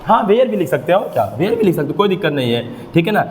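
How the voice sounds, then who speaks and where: High-voiced man teaching maths in an echoey classroom. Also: very animated, fast talker, a little hiss or hum. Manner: explains step by step, keeps asking the class questions. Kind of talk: classroom lesson with motivational asides. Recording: echoey room, long reverb.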